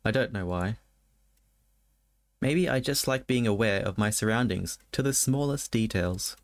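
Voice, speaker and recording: A man with a fairly low voice hosts a spooky game stream. He talks casually to his viewers and reads visual novel text aloud. His chatty delivery is halting, with repeated words. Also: no echo.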